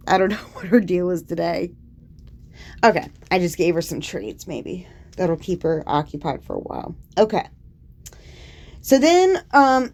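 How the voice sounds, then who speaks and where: A young woman hosting a casual scripture commentary, chatty and sarcastic, filling her talk with "like.". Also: medium pitch. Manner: chatty and sarcastic, heavy use of "like". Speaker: host.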